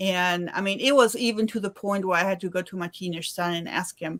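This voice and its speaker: Speaking at a moderate pace, a woman talks with a slight German accent. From Germany. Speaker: author. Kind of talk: interview. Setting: live stream.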